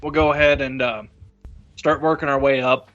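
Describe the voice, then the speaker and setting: A man's voice: medium pitch, flat delivery, normal speed, fairly bright tone, muffled recording, faint music behind. A man talking casually as a player in a tabletop game.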